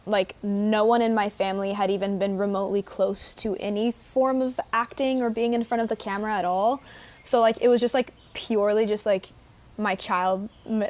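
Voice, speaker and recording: A young woman speaks in an easygoing, conversational way as an interview guest. Her speech is loose and relaxed, sprinkled with filler words and small restarts. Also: medium pitch. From Houston, Texas. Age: young adult. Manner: casual, lots of "like" fillers. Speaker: guest actor. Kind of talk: casual interview chat.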